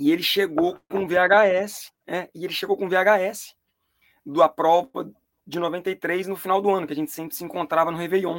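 A man speaks with a high pitch and fairly even intonation. His pace is moderate. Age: 40s. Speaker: running coach and former athlete. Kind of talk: casual chat.

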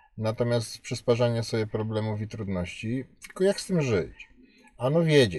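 Lively in intonation and somewhat breathy, a man speaks at medium pitch and a moderate pace. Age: 50s. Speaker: addiction therapist, podcast host. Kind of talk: personal monologue. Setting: in a car. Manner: halting.

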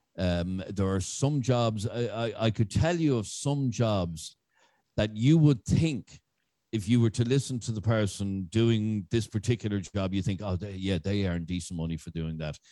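Speaking with a Dublin accent, a man with a fairly low pitch and a dark, mellow tone uses lively intonation at a moderate pace, in a very clean recording with a silent background. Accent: Dublin Irish. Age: 50s. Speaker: radio broadcaster. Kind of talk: casual interview chat.

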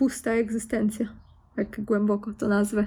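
On a very clean recording with a silent background, a woman with a fairly high pitch sounds somewhat breathy. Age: 20s. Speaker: podcaster and influencer. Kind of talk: personal monologue. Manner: casual with hesitations.

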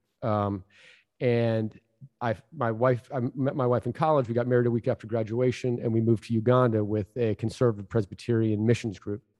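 An unremarkable speaking voice: a man at medium pitch, fairly quick pace, fairly even intonation. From raised in Japan and Taiwan, then US. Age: 40s. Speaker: Episcopal priest and director of a contemplative center. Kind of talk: interview conversation.

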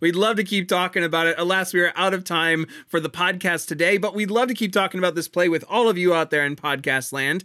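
A man's raised, projected voice, bright and sharp in tone, at a fairly quick pace, with a dry, close sound and no echo. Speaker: theater podcast co-host. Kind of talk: casual chat discussing a play. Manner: halting, many repeated words.

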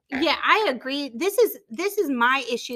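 Her tone is bright and sharp, with very wide pitch swings. The woman talks at a fairly slow pace. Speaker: online marketing business owner. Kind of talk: casual interview chat. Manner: soft-spoken.

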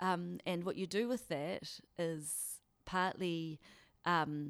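Recorded very cleanly against a silent background, a woman speaks at a fairly low pitch in a New Zealand accent. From New Zealand, Auckland. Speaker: writer. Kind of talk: casual conversation.

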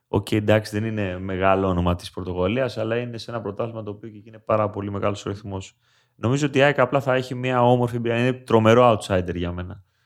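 In a very clean recording with a silent background, a man with a fairly low voice talks at a very fast pace, his intonation fairly even but his loudness swinging widely. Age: 30s. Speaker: football coach. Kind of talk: casual chat.

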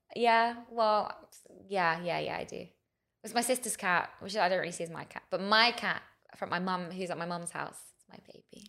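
A woman speaks at a moderate pace and medium pitch, with ordinary pitch variation and a bright, sharp tone. Her loudness swings widely, and the recording is very clean with a silent background. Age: 20s. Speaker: TV presenter, actress and model. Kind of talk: casual chat.

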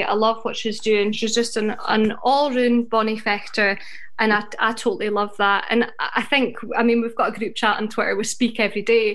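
In a northeast Scottish accent, a woman with a fairly high pitch speaks with monotone, flat intonation. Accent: northeast Scottish (Doric). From northeast Scotland. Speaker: folk singer. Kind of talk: casual radio interview.

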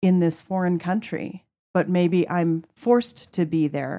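This woman has a plain, everyday voice and an American accent, pitched fairly low. She speaks at a fairly slow pace on a very clean recording with a silent background. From Colorado. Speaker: panel guest. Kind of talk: casual discussion.

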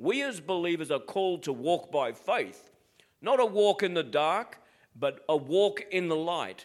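A man with an Australian accent speaks at a fairly slow pace. His high pitch rises and falls with lively intonation. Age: 60s. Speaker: pastor. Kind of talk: sermon. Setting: church.

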